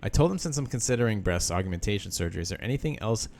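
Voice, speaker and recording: A man reads someone's post out loud on his podcast. He stops often to add sarcastic remarks of his own. It sounds like a relaxed, talky solo show. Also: fairly low pitch, rapid-fire, creaky, a little hiss or hum. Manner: sarcastic asides between read lines. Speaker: podcast host. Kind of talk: reading a post aloud with commentary.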